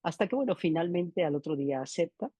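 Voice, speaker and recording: Husky-voiced woman lecturer. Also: lowish voice, expressive, quick pace, warm tone, no room sound, lo-fi sound. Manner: reflective, tags sentences with "¿no?". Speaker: psychoanalyst presenting a clinical case. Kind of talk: seminar lecture, case narration.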